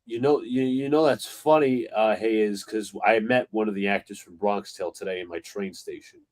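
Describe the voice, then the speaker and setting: A man's voice: lowish voice, moderate pace, a little mellow. A man with a New York accent joining a live fan stream from home, talking in an easygoing way with lots of fillers. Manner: easygoing, storytelling, filler-heavy. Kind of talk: casual fan chat. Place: home, on a video call.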